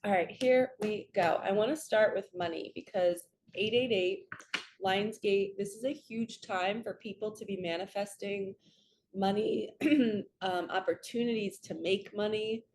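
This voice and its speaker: Woman doing a chatty spiritual reading vlog, bit raspy and stuffy from allergies, earnest, rambly. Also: mid-range voice, unhurried, darkish tone, slight background noise. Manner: chatty, earnest, drifts into stories. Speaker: host, spiritual card reader.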